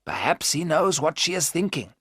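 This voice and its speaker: A man reading aloud, voicing a wise older professor who explains his plans in a measured, firm way. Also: on the high side, sing-song, a bit bright, breathy edge, dry recording, clean studio sound, pitched above the performer's own voice, full character voice.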